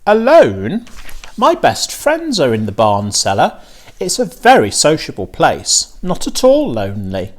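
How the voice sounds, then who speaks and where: Man voicing an eager young girl, swooping pitch. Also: a little slow, full character voice. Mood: indignant. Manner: earnest, excited storytelling. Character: imaginative young farm girl, eager and stubborn.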